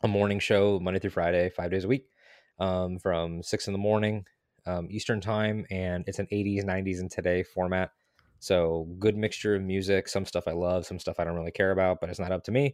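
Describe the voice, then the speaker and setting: A man with a very deep, low voice speaks in a monotone, flat way at a moderate pace, with a dry, close sound and no echo. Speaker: radio morning show producer, podcast guest. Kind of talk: casual, conversational.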